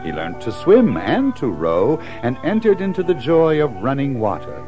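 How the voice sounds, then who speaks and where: A man narrating a children's story from a script in an expressive storytelling style. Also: medium pitch, moderate pace. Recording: music behind narration.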